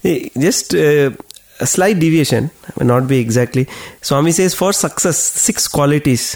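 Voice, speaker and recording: A man hosting a casual spiritual discussion, speaking thoughtfully with hesitations and soft laughs. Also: fairly high pitch, extremely slow. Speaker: discussion host.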